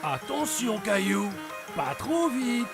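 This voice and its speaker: A woman playing an encouraging, gentle grown-up minding young children in a children's cartoon. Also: a little high, sing-song, takes it slowly, heavily acted. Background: music.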